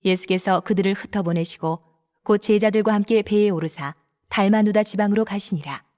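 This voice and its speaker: A woman narrating scripture in a calm, even, reverent manner. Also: medium pitch, fairly quick.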